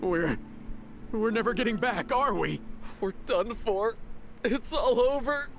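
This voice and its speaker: A man's voice: extremely high pitch, slow, a little hiss or hum, heavily acted. A man voicing a despairing, stranded sailor in a video game, speaking in a hopeless, faltering way.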